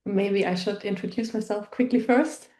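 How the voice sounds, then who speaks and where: A woman's voice: mid-range voice, fairly even intonation, moderate pace, warm tone. A woman from Germany, an analytics engineer, answering interview questions over a video call in a friendly, methodical way. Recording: echoey room on a video call.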